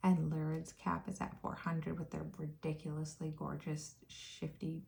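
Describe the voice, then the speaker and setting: A woman speaks quietly and fairly slowly with a very deep, low pitch, a dark, mellow tone, and vocal fry. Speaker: nail polish reviewer. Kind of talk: product review.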